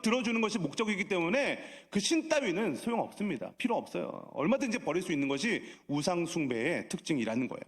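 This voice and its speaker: Man preaching, high voice, lively swooping pitch, questions to the congregation, playful asides. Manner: playful asides that draw laughs. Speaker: pastor. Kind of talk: sermon. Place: church sanctuary.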